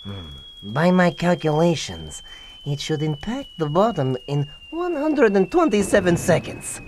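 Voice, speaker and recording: An actor playing an earnest, incredulous younger mad scientist in a comic radio drama, hesitant and deliberate in delivery. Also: male voice, fairly high pitch, big pitch swings, a little mellow, slight background noise. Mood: calculating.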